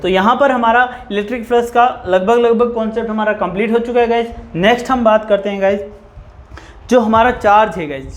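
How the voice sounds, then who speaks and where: A man teaching a physics lesson. He keeps putting questions to the class, answers them himself, and says "guys" all the time. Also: high-pitched. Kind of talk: whiteboard lecture. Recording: echoey room.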